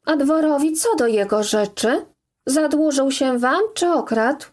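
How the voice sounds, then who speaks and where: A woman's voice: sits high, unhurried, a little mellow, pitched above the performer's own voice. Young outcast woman, loyal and defiant, raised voice, read by a woman narrator.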